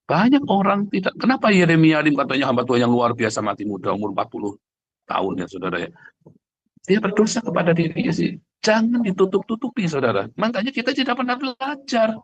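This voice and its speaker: A man's voice: high-pitched, very animated, a little fast, dry recording, dull audio. A man preaching in a conversational, blunt and emphatic way, addressing listeners directly and asking rhetorical questions. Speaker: preacher, pastor. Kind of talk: conversational livestream sermon.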